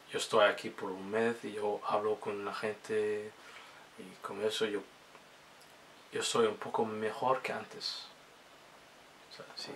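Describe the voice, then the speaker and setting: A man's voice: lowish voice, fairly bright tone, slight background noise. A man speaking as a hesitant language learner in a casual vlog, often restarting his words. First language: Somali. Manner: halting learner's speech with many restarts. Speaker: vlogger.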